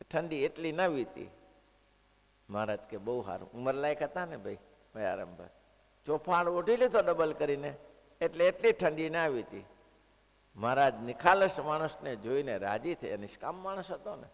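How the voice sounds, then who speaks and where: Gravelly, high-pitched preacher in a reverberant hall. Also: male voice. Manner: animated storytelling, acting out dialogue, dropping to a hush for devotional moments. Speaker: preacher giving a scripture discourse. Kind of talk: sermon storytelling. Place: temple hall.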